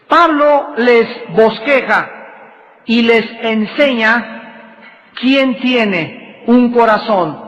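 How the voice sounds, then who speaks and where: A man delivering a sermon with a high voice, speaking slowly and deliberately. His preaching swells and falls for emphasis. The sound is dull and lo-fi, with long reverb from a large hall. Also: fairly bright tone. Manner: emphatic preaching with dramatic swells in pitch and volume.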